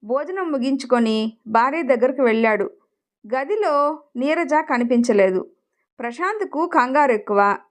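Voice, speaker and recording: A woman's voice: high-pitched, lively intonation, measured pace, long pauses. A woman with a Telugu accent narrating a family story and lightly voicing each character's lines. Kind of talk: storytelling narration with acted dialogue.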